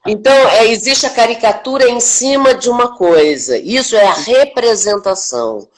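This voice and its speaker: An older woman in her sixties from Brazil, an actress talking on a video-call interview in an emphatic, animated way, often ending points with a quick question to the listener. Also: fairly high pitch. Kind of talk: reflective conversation. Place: home, online live stream.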